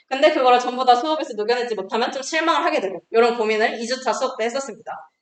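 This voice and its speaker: The woman's voice is high and very fast. Her pitch varies in an ordinary way. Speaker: student lecturer teaching algorithms. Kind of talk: lecture, reflective talk. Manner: fast-talking.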